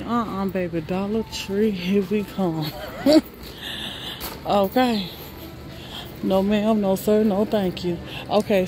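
A woman vlogging while she shops in a large warehouse store, chatting to viewers and exclaiming over prices. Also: on the low side. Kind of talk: casual shop-with-me narration. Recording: noisy store background. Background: store noise.

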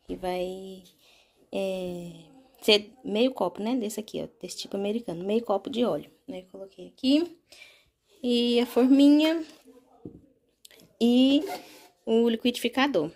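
A woman's voice: medium pitch, unhurried, long pauses, a little mellow. A woman with a Brazilian accent narrating a recipe casually and informally, often checking in with her listeners. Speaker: home cooking vlogger.

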